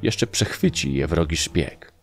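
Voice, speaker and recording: Brief: man doing a red-faced army colonel, roaring and scornful, deep gravelly voice, storybook reading. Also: animated, measured pace, soft background music, full character voice. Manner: shouting, blustering, mocking. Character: furious bellowing middle-aged male army colonel.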